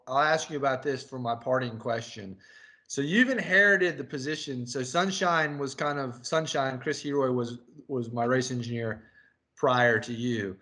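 A man's voice: medium pitch, bright, forceful tone. A man, a crew chief, chatting casually with his race engineer and telling a rambling story with laughter. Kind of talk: casual chat interview.

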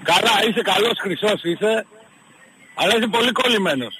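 A man's voice: sits high, expressive, pushed and bright, slight background noise. A man calling in to a sports radio show, blunt and argumentative. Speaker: caller. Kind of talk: call-in chat. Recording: phone-line caller on radio.

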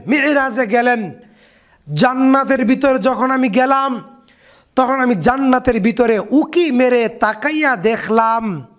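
High-voiced man preaching with emphatic repetition. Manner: recites Arabic hadith slowly, then explains in short repeated phrases; drawn-out, emphatic exclamations of praise. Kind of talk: Bengali waz sermon.

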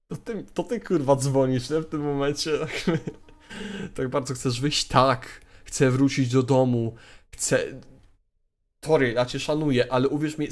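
A young man doing let's play commentary, swearing and breaking into loud frustrated outbursts over faint game music. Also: medium pitch. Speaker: gaming YouTuber.

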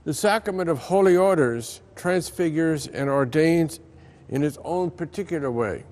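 An older American man, a Catholic priest, reading a scripted religious reflection aloud in a measured, solemn manner. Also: on the high side, a little mellow. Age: older, around 70. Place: large ornate church interior.

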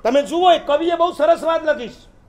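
A man preaches a sermon in a strikingly high voice. He moves between wry jokes and recited verses and poetry, in the manner of a Jain preacher. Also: moderate pace.

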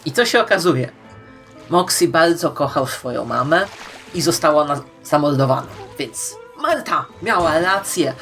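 A woman hosting online fan commentary, playful and emphatic, with dramatic pauses. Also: deep voice, lively intonation, fairly bright tone, faint music behind. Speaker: YouTube host. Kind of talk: scripted fan-theory commentary to viewers.

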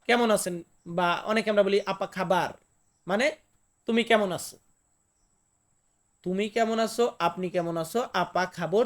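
Man patiently teaching vocabulary, casual. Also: high-pitched. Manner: repeats and explains each word patiently. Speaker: language teacher. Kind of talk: casual spoken language lesson.

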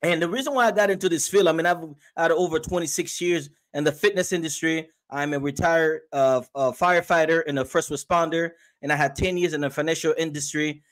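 A man's voice: on the high side, fairly quick, few pauses. A middle-aged man from Haiti, a guest and emotional health coach, chatting earnestly on a video call. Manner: earnest, animated storyteller. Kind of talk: casual chat on a video call. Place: small room at home. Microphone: video call webcam.

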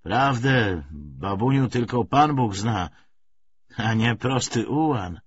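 A male narrator plays a young cavalry soldier in a war novel. He is wry and teasing, slow-paced, with lively pitch. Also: breathy edge, highs cut off, full character voice.

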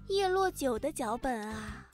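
A woman playing a playful, high-voiced little sister. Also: expressive, a little slow, faint music behind. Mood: teasing, amused. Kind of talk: fan audio drama acting.

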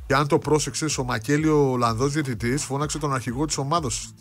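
A man's voice: mid-range voice, steady tone, soft background music. A man co-hosting a radio sports show, telling jokey stories and acting out scenes. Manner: jokey storyteller, acts out scenes. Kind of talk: comic radio banter. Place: radio studio.

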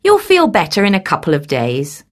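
A woman playing a calm, kindly school nurse. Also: mid-range voice, moderate pace. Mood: reassuring. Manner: soothing, reassuring. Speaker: actor in a coursebook dialogue. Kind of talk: scripted textbook dialogue.

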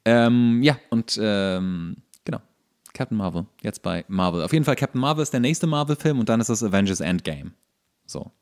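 A man co-hosting a podcast in casual chat, explaining things in a halting, searching way. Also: fairly low pitch, expressive, a little mellow. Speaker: podcast co-host.

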